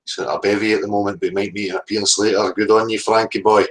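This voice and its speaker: A man's voice: lowish voice, little pitch movement, quick pace. A man with a Scottish accent chatting casually as a livestream host and reading out the live chat.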